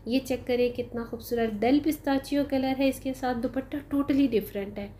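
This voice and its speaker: A woman doing a casual, chatty voice-over for a shopping vlog, unhurried and full of "uh" fillers. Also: high-pitched, fairly even intonation, dark tone, slight background noise. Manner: chatty, unhurried, frequent "uh" fillers, addresses viewers as "janab" and "bhai". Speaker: shopping vlogger. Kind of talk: casual voice-over of a sale haul.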